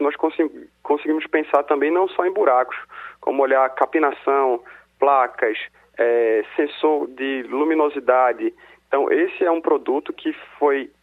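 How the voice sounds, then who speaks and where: A man's voice: mid-range voice, slightly rough. A Brazilian man who works as a city secretary, explaining things step by step in an interview, heard over a crackly phone line. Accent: Brazilian Portuguese. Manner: explains step by step, often trailing into tag questions. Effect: crackly, tinny phone line. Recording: tinny phone-line audio.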